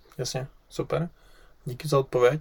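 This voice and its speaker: This man's voice is somewhat breathy and fairly high in pitch. He speaks at a moderate pace. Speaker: podcast host. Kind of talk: casual interview. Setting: remote recording.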